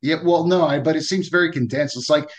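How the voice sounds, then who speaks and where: A man's voice: on the high side, fast talker. A man co-hosting a podcast in casual chat, joking and laughing often. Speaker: podcast co-host.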